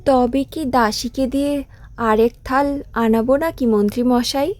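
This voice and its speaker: A woman voicing a gracious, commanding fairy-tale queen in an animated story. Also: fairly high pitch, moderate pace, natural voice.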